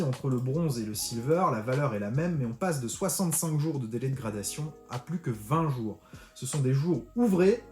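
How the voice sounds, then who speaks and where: Chatty tutorial host, roomy echo. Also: male voice, medium pitch, mellow. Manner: chatty, addresses the viewer informally with tu. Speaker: card-collecting tutorial host. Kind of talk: screen-recorded tutorial walkthrough. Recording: roomy echo with faint music.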